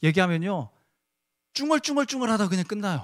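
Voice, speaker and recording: A man's high-pitched voice with lively intonation at a moderate pace, in a very clean recording with a silent background. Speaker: guest pastor. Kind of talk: sermon. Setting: church. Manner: clear diction.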